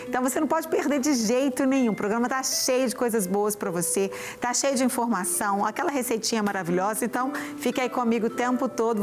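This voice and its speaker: Host in her forties, bright and effusive, slightly high voice. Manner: warm, effusive, chatty with viewers. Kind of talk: upbeat studio hosting. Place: bright TV studio set, indoors. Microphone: lapel mic.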